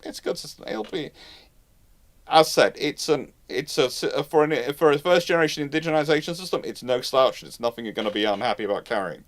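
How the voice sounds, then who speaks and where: Male live-show host, medium pitch, unscripted explainer style, emphatic and animated, frequently restarts and rewords. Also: a little fast. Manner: animated, emphatic, repeats and rephrases mid-sentence. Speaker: host of naval history live Q&A. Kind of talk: off-the-cuff explanatory commentary, answering listener questions.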